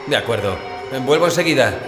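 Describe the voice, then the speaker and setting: An actor playing a greedy, cocky paranormal investigator in a horror audio drama, brash, colloquial and dismissive. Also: male voice, medium pitch, lively intonation, fairly quick, shouting, a crowd in the background, lightly acted. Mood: insistent. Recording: echoey reverb, music behind.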